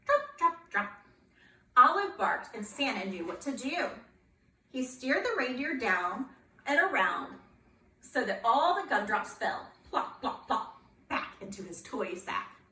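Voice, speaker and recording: A woman reading a children's picture book aloud in a playful, expressive way, asking her young listeners questions. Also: on the high side, takes it slowly, roomy sound, distant mic, low-quality recording.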